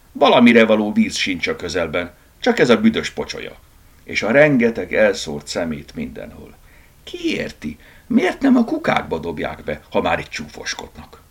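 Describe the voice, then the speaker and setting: A man's voice: on the low side, vocal fry, exaggerated voice. A man voicing a timid black house cat who wonders and mutters uneasily.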